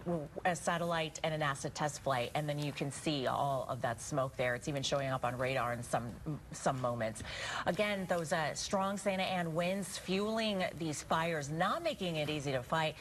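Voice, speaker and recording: A woman's voice: low-pitched, normal speed, a little hiss or hum. A woman news anchor delivering a live newscast in a partly ad-libbed way. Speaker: news anchor filling in on weather.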